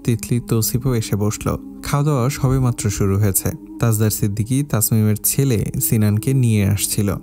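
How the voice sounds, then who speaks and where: A man narrating an audio story in a steady, measured reading style. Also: fairly low pitch. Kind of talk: scripted narration. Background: faint background music.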